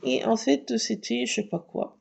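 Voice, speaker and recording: A woman's voice: on the high side, moderate pace, creaky, breathy edge. A woman vlogger telling a casual story, laughing often and acting out dialogue and sounds. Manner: lively, laughing, acts out dialogue and alarm sounds.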